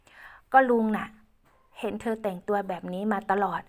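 A woman's voice: medium pitch, fairly even intonation, normal speed, lightly acted. A shy 45-year-old man who stumbles over his words when caught off guard, read by a woman. He speaks hesitantly and bashfully, in a voice close to the storyteller's own. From a spoken romance storybook. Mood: flustered.

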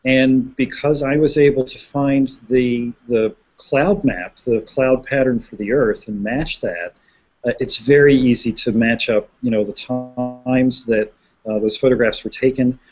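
A man explains his research in a careful, measured way, with many pauses and fillers, in an online video chat. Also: medium pitch, fairly even intonation, a little mellow. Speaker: visualization researcher guest. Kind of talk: conversational explanation. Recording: slightly muffled web broadcast.

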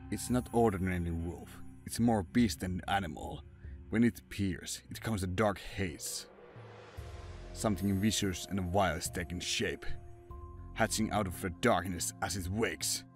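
A man who is not a native English speaker, narrating a scripted horror story in an ominous, dramatic way. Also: sits low. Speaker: narrator and writer.

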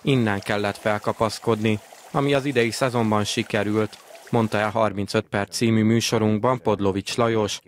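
A male news reporter reading a scripted report in a steady, formal way. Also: on the low side. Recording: faint background noise.

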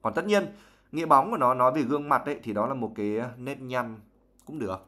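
A man's voice: mid-range voice, quick pace, sharp tone. Vietnamese man explaining English vocabulary. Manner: reads passages, then explains words at length. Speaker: English teacher. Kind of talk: live-stream vocabulary lesson reading a novel aloud.

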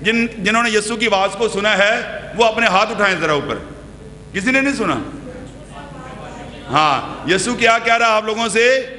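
A middle-aged pastor preaches at a podium in an indoor church hall with a brick wall, questioning the congregation and gesturing broadly. His voice sits high, animated and sharp at a moderate pace, caught by podium microphones in a reverberant room with faint hum.

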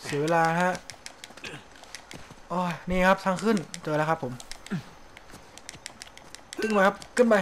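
A man's voice: sits high, a little slow, pauses often, a bit bright, slight background noise. A man hosting his own gaming channel, giving casual, joking let's-play commentary and swearing at the game. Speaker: game streamer host.

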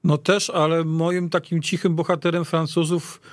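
A man giving his opinions as a football pundit in casual discussion, with halting, emphatic, repetitive phrasing. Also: a little high, little pitch movement, dry recording.

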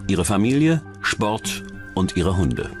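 A man's voice: low-pitched, very animated, takes it slowly. A man reading scripted true-crime documentary narration as the narrator. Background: background music.

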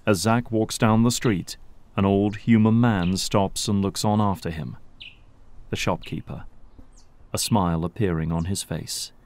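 A man's voice: fairly low pitch, fairly even intonation, measured pace, a little mellow, close to an everyday voice. A man narrating an audio drama from a script in the present tense.

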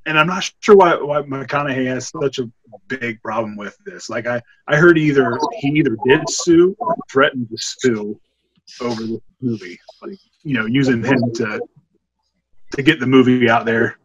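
A man with a slightly husky, mid-pitched voice talks over a desk mic on a video call. He rambles through his opinions with loose restarts and bursts of laughter. It sounds like casual podcast chat from a home room. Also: moderate pace, dry recording, dull audio. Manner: rambling, laughing, animated when amused. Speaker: podcast co-host, horror film reviewer. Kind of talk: casual film review chat.

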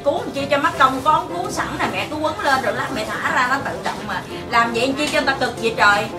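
Cheeky woman, high voice, echoey and distant, loud music. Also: fast. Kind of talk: comic sketch.

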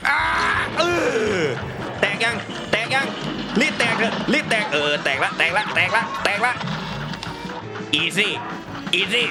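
Young male game streamer, high and animated, boastful and sweary, sore-mouthed after wisdom teeth removal, loud music behind. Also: measured pace, pauses often. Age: young adult. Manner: excitable, sarcastic, mock boasting, swearing. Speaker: gaming YouTuber. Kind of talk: gameplay commentary. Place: small room indoors at a gaming desk.

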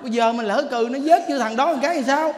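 A man's voice: very high-pitched, quick pace. A male Buddhist monk with a Southern Vietnamese accent gives a humorous Dharma talk, telling stories with lots of laughter and exclamations. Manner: animated storytelling, frequent laughter and exclamations. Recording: reverberant hall, faint background noise.

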